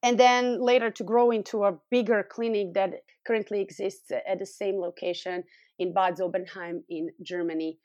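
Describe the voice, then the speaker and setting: A woman's voice: medium pitch, fairly even intonation, moderate pace, a little mellow, dry recording, muffled recording. A woman from Serbia with a Serbian accent, speaking as an expert guest and explaining things in an interview. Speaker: guest expert, scoliosis clinic founder and physiotherapist.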